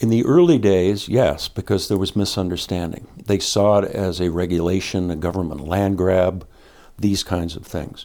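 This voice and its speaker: A man speaks with an American accent at a very deep, low pitch. His tone is dark and mellow, with fairly even intonation. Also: moderate pace. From Maine, US. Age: 70s. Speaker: geography professor. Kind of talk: radio interview. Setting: studio.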